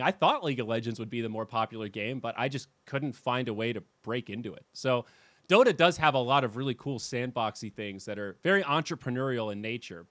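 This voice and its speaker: A man hosting a podcast in casual chat, telling animated stories with swearing and restarts. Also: mid-range voice, no room sound. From United States. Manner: animated storyteller who swears and restarts sentences. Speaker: podcast host and esports commentator.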